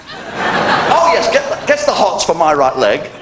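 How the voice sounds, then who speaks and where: An older man doing a live stand-up comedy routine, brash and cheeky, with sudden jumps in pitch for punchlines. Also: sing-song, normal speed, slight background noise. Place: live venue with audience laughter.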